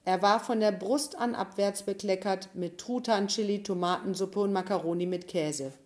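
A woman narrating a storybook chapter in an even, measured reading style. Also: medium pitch. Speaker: audiobook narrator.

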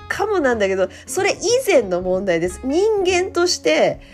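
A woman talks in a loose, chatty way, full of fillers and short laughs. Her pitch swings widely up and down. Soft guitar music plays faintly underneath. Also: big pitch swings, normal speed. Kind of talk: casual chat.

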